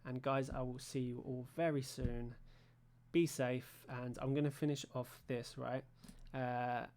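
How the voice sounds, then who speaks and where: A man's voice: steady tone, unhurried, a little mellow. A man from Britain hosting a league stream recap in a casual, rambling way, full of fillers and restarts. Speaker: league show host. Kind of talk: casual stream wrap-up commentary. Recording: low-volume audio from his end.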